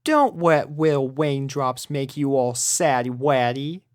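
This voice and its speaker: A man's voice: medium pitch, animated, slow, dry recording, studio quality. A man voicing a kindly, motherly country farm pony mare with a folksy Southern drawl. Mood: cooing. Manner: folksy, drawling, coos baby talk.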